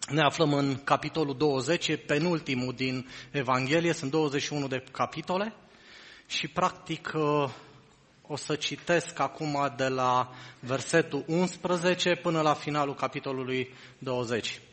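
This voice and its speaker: A man preaching a sermon as pastor, reading scripture aloud slowly and earnestly. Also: fairly high pitch, a bit bright. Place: church hall. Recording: reverberant hall.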